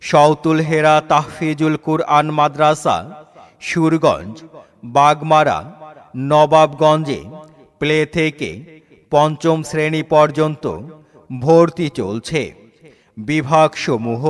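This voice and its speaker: Male announcer on a loudspeaker, clear and smooth, slightly high voice, long ringing reverb. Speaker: admission announcer. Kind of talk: scripted loudspeaker advertisement.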